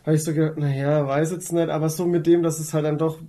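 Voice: medium pitch, little pitch movement, fast, warm tone. A podcast co-host, chatting casually and often groping for words while reviewing series.

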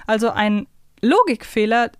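A woman's voice: a little high, lively intonation, a little slow, smooth, no echo, studio quality. A woman talking casually and analytically as a podcast co-host, explaining in loose, chained sentences. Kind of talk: casual conversational fan podcast talk.

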